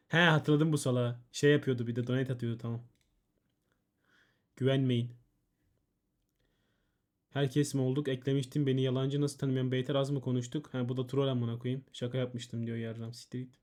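A man's voice: medium pitch, darkish tone. A man streaming, reading out viewers' ban appeals and answering them in blunt, profane casual chat. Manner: blunt and swearing, reading chat messages aloud.

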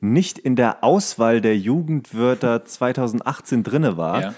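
A man's voice: medium pitch, expressive, a little slow, a little mellow. A man, bantering loosely and colloquially as a podcast co-host. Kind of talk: casual comedic podcast banter.

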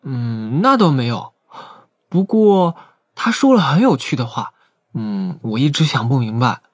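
An actor playing a timid, earnest young police rookie in an audio drama, hesitant and artless. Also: male voice, medium pitch, sing-song, unhurried, slightly rough, dry recording, studio quality. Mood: wondering, earnest.

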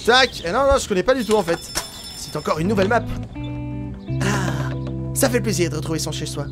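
A man giving chatty, excitable let's-play commentary and laughing often over game music. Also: high voice, fairly quick. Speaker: gaming youtuber. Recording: game music playing behind.

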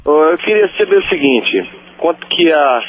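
A man from São Paulo, calling in to a radio show, brash and loud with slangy talk. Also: fairly high pitch, expressive, moderate pace. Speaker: caller. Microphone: phone line. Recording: muffled phone line.

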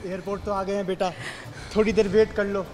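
A man's voice: high-pitched, flat delivery, brisk, a little mellow, close to an everyday voice. A man playing an ailing, tender older father seeing his daughter off, in an improvised comedy sketch. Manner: tender, fussing.

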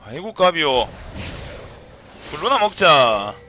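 A man streaming a video game, commentating live and loudly scolding his teammates. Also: on the high side, slow, soft background music. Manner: excitable, loud scolding at teammates.

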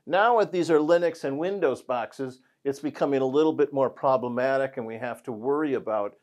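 A man's voice: medium pitch, fairly quick, darkish tone. An older man giving a whiteboard lesson on industrial networks, talking conversationally with frequent restarts and fillers, recorded on a lapel mic in a studio. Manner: conversational, many restarts and "you know"s, pointing at a whiteboard. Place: indoor studio in front of a whiteboard.

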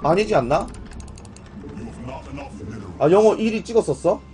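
A man's voice: sits high, lively intonation, measured pace, a little mellow. A man with a strained throat hosting a gaming live stream, chatting informally and often putting questions to his viewers. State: strained throat, voice in poor condition. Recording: music playing behind the voice. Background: music, keyboard typing.

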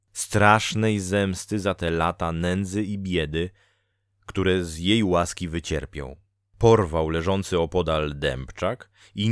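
Slow, low-voiced male storyteller. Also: clear, resonant tone, no room sound, clean studio sound. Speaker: audiobook reader. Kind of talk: scripted narration of a folk tale.

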